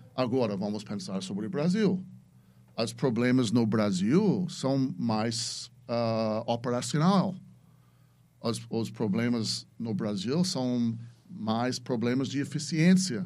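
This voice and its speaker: Over audible room echo, a man with an English accent speaks at a very slow pace in a medium pitch with lively intonation. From US Midwest, Chicago. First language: English (speaking Portuguese). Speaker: venture capitalist. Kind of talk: casual interview chat. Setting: studio. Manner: halting, repeats words.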